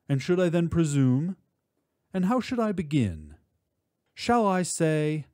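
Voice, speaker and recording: A man giving an expressive, measured recitation of literary poetry, drawing out words for emphasis. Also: mid-range voice, no room sound, clean studio sound. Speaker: poetry reader.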